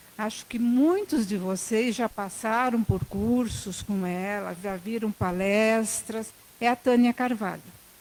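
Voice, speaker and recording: At a very slow pace yet with hardly any pauses, a woman speaks in a fairly high pitch with ordinary pitch variation. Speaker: spiritist lecturer. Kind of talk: lecture.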